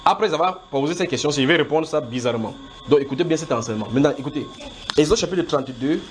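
A man with a Cameroonian accent teaching the Bible in an informal question-and-answer style, brisk and directive, often repeating himself. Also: on the high side. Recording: clearly noisy amateur recording.

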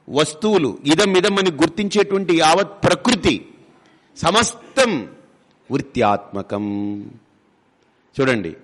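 A man's voice: on the high side, a bit bright. A man as spiritual teacher giving a discourse, conversational, with rhetorical questions and humorous asides. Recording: long hall reverb.

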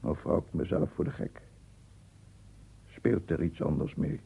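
Weary brooding writer, gravelly, halting muttering, swinging intonation, radio play, narrow tinny recording. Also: male voice, rumbling low, big pitch swings, exaggerated voice. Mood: anxious, guilty. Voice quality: husky, gravelly. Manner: muttering to himself in broken, halting phrases. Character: brooding, weary male writer tormented by guilt. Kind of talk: radio drama monologue. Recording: muffled, phone-like archive radio recording.

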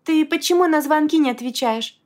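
A woman voicing an alarmed, fiercely loyal young female friend in an audiobook, in a shrill, excited, indignant manner. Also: unhurried. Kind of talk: audiobook character voice.

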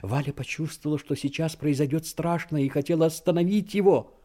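A man's voice: on the high side, brisk, warm tone. A man narrating a war story as a scripted audio drama, in a dramatic style.

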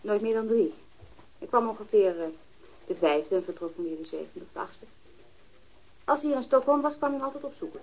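An actress playing a blunt, wary and mocking bohemian sculptor in a radio drama. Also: female voice, medium pitch, animated, a little fast, pauses often, darkish tone. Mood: frank, matter-of-fact. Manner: blunt, challenging. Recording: dull lo-fi old radio recording.

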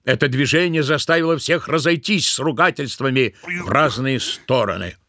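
A man's voice: mid-range voice, lively intonation, moderate pace, bright, forceful tone, no room sound, clean studio sound. A man reading scripted literary narration as the narrator of an audio play. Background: music.

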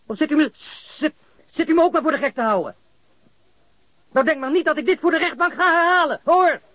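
Agitated criminal suspect, high voice, dry close sound, indignant, swearing, radio crime drama. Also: male voice, brisk, fairly bright tone, no room sound. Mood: exasperated, angry. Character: agitated male criminal suspect confessing under police interrogation.

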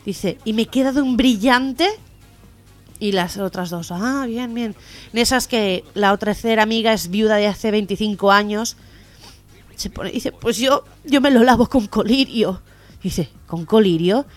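A woman co-hosting a local radio comedy show with a Catalan Spanish accent, telling jokes with lively acted-out voices. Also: medium pitch, a little slow. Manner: lively joke-telling, acting out the lines of the joke characters. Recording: radio show with faint music behind.

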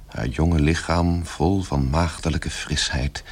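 A man narrating a radio drama from a script in a measured, literary manner. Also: extremely low pitch, steady tone, breathy edge.

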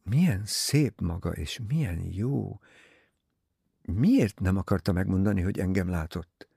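A man reads an impulsive, self-mocking young man in an audiobook. His low, husky voice swings widely in pitch with restless energy, dry and close to the mic. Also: animated, mellow, no room sound, heavily acted. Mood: tender.

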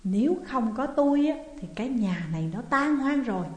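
A woman's voice: high voice, lively intonation, brisk, a little mellow. A woman with a Southern Vietnamese accent voicing a stern, grave ghost mother in a storybook reading. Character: stern ghostly mother speaking through a borrowed body. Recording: echoey room with long reverb.

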